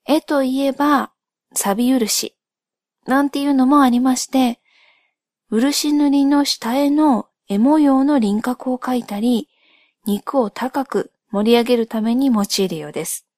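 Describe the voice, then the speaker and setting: A woman speaking softly in a gentle, polite and measured way, as in a calm ASMR-like explanatory monologue by a solo host. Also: high-pitched, no echo, clean studio sound. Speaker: host of a solo spoken channel.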